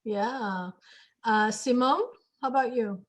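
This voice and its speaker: A woman hosting a casual interview, framing her questions in a measured way with pauses. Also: on the high side. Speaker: interviewer, panel host.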